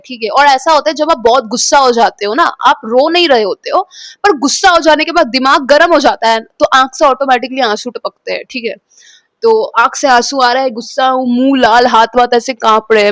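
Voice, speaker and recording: A young woman with a high voice tells a painful personal story straight to her viewers, slipping English phrases into her talk and repeating words as she goes. She acts out what was said to her, and the sound is close and dry with no room echo. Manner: mixes Hindi with English phrases, acts out quotes. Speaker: vlogger.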